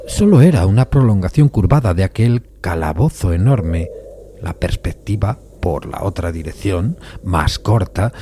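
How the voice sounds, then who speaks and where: Very deep-voiced man narrating a suspense tale. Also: mellow, a little hiss or hum. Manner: measured, literary storytelling. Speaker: narrator of an audio fiction adaptation. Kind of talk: scripted dramatic narration of a classic suspense tale.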